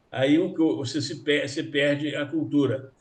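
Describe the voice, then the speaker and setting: A man at a moderate pace, with audible room echo. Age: 70s. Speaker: retired safety engineer. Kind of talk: casual chat. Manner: halting, many repetitions.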